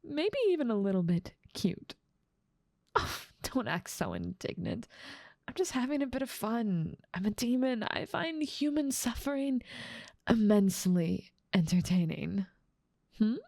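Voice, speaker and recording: A woman's voice: mid-range voice, sing-song, measured pace, creaky, a little mellow, no echo, clean studio sound. A woman playing a haughty, dominant demon lord who mocks and teases the listener in a scripted ASMR roleplay. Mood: teasing, amused. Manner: dominant, amused, mocking, theatrical. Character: haughty, teasing female demon lord ruling part of hell.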